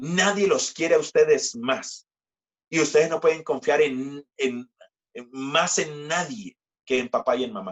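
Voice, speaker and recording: A man with an unremarkable speaking voice talks at a fairly high pitch and a fairly slow pace. His intonation is lively, with big swings in loudness. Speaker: pastor. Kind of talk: sermon.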